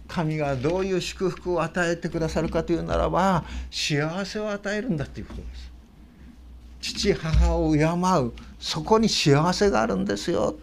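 An older man preaching a sermon as a pastor, with a Tochigi accent, earnest and emphatic, often ending sentences on a rise. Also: fairly high pitch. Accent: Tochigi Japanese. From Tochigi, Japan. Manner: earnest, emphatic, with rising sentence ends and tag questions.

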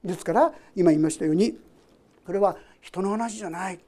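A woman's voice: fairly low pitch, fairly quick, mellow. A woman pastor preaching a sermon. She reads scripture aloud, explains it, and talks to the congregation directly with questions.

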